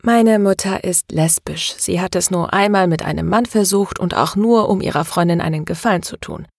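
A woman's voice: fairly low pitch, moderate pace, vocal fry, no echo, studio quality. A woman narrator voicing a troubled young woman who hesitantly confides in her best friend.

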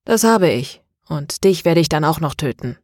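A woman's voice: sits low, animated, moderate pace, darkish tone, no room sound, studio quality. A woman voicing a deranged captive man who hisses venomous threats, in an audiobook. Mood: threatening. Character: menacing deranged man, tied up, taunting.

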